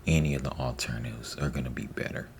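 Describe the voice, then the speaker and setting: A man giving a soft-spoken ASMR ramble, breathy and often near a whisper, informal and repeating himself, close to the microphone. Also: very deep voice, steady tone, fast talker. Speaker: ASMR host. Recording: faint background noise.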